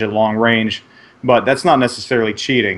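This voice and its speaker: A man talks at a fairly quick pace in a normal speaking voice, medium in pitch, with fairly even intonation. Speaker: podcast host. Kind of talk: podcast interview.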